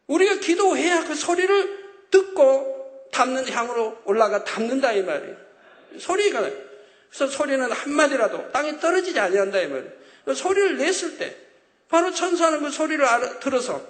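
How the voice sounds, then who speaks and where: Emphatic preaching man in an echoing hall. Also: extremely high pitch. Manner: emphatic, repeating phrases, rising to loud exclamations. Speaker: pastor. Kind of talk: sermon. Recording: echoey hall with long reverb.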